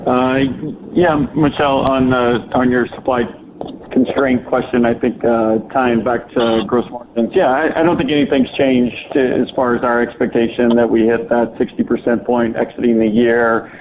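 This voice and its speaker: A man's voice: medium pitch, flat delivery, moderate pace. Male executive fielding questions on an earnings call, informal and hesitant, telephone audio with slight noise. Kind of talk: answering analyst questions on a conference call. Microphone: telephone conference line. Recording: thin phone line, faint noise.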